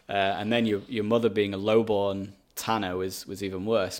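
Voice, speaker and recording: A man with a Yorkshire accent speaks at a moderate pace in a fairly low voice. The recording is very clean, with a silent background. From Yorkshire, northern England. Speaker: historian. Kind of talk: casual chat about history.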